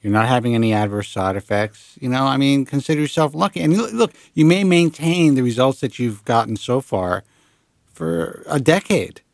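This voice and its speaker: Animated man hosting a talk show. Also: medium pitch, moderate pace, creaky, no room sound, studio quality. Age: 40s. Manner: animated, swearing, lots of restarts. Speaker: show host. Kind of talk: casual radio show chat.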